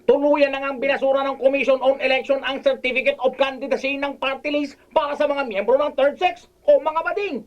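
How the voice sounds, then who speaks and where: A woman's voice: sits high, fairly even intonation, brisk, hardly any pauses, highs cut off, natural voice. A woman voice talent performing a scripted radio sample.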